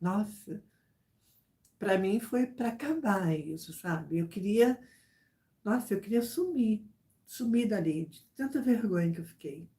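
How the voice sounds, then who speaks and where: A woman tells her viewers a personal story in a relaxed, chatty way. Her voice is mellow and warm at an ordinary pitch. She repeats herself for effect and keeps checking in with little asides. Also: unhurried. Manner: animated, repeats phrases, many "sabe?" asides. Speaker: YouTuber chatting with subscribers. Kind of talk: casual storytelling chat.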